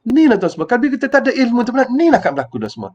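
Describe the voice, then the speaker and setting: A man's voice: very high-pitched, huge pitch swings, very fast, a little mellow, muffled recording. An older man with a Malaysian Malay accent giving a rambling, emotional live-streamed religious talk, repeating words and calling himself by his title. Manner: rambling, repetitive and emotional, refers to himself in the third person. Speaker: preacher.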